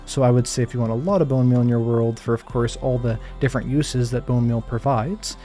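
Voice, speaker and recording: Man, mellow soothing voice, relaxed gameplay commentary, hedging, filler words, faint background music. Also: medium pitch, fairly quick. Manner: calm, soft-spoken, lots of hedges and fillers. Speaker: Minecraft streamer. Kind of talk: live gameplay commentary answering chat.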